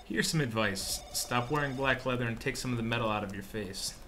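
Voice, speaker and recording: A man acts out a bitter police evidence clerk in a radio play. His mid-pitched voice is dry, deadpan and sarcastic. A little noise sits in the background. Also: a little fast, natural voice. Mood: sour, sarcastic. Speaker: actor in a sci-fi radio drama. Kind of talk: radio drama acting.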